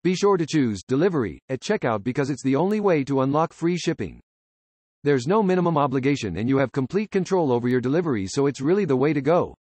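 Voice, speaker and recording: A man speaks in a fairly high voice in a plain, helpful sales tone. The sound is dry and close. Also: a little mellow, dry recording. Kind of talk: promotional explanation.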